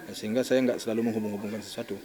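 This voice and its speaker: An older man, a bereaved father, recounting events in an interview in a halting, shaken way, often restarting his sentences. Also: fairly low pitch, fairly even intonation. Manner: halting, restarting, acting out phone calls.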